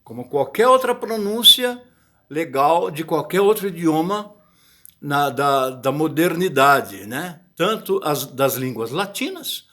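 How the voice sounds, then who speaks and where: Lively man teaching botany. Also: a little high, slow pace. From Brazil. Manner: chatty, searching for words, frequent "né?" and "certo?". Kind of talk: casual video lesson.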